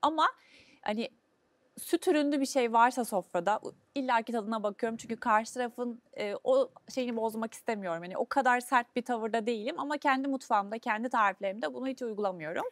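A woman speaks at a fairly high pitch and a fairly quick pace, with ordinary pitch variation. The sound is dry with no echo over a quiet background. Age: 30s. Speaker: food content creator. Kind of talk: casual chat. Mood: warm, relaxed, smiling. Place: studio.

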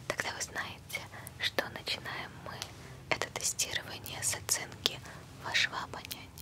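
A woman whispers, soft-spoken. Noticeable background noise runs behind her. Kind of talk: ASMR role-play. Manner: soft ASMR whisper, doctor roleplay. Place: home room.

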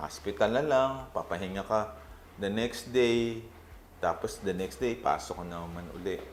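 Loudness swings widely as a man talks in an ordinary speaking voice at a medium pitch, with ordinary pitch variation and a fairly slow pace. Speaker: physician and health advocate. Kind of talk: health talk show monologue. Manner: polite, conversational.

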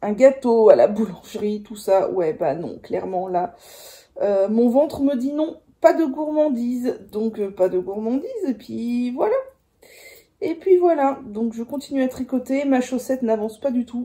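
A woman's high-pitched voice with a dark, mellow tone, at a fairly slow pace. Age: 30s. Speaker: vlogger. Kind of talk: casual chat. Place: home room. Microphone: phone near.

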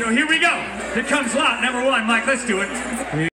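As this man talks, there is loud background noise behind him. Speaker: auctioneer. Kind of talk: auctioneer explaining his craft to an audience, humorous. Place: stage. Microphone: handheld.

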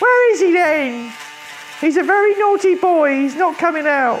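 A put-on character voice, extremely high and whiny, moves at a moderate pace over clear background noise.

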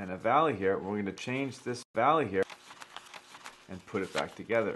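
Noticeable background noise runs under a man's fairly low voice, which has ordinary pitch variation. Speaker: origami teacher. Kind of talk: tutorial.

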